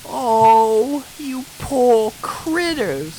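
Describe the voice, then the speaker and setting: A man's voice: very high voice, big pitch swings, very slow, warm tone, a little hiss or hum, voice pushed up, heavily acted, rough recording. A man voicing a kindly, motherly country farm pony mare with a folksy Southern drawl. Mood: warm. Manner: folksy, drawling, coos baby talk.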